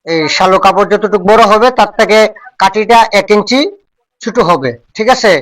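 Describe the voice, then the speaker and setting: A man's voice: high-pitched, normal speed, a bit bright, far from the mic, low-quality recording. A man, a folk healer, giving a step-by-step ritual demonstration and repeating each instruction over and over.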